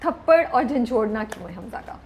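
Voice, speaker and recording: A woman's voice: a little high, lively intonation, fairly quick, soft background music. A woman interviewing a writer, teasing her playfully and humming along as she listens. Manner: teasing, playful, lots of hums of assent. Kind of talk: interview questions.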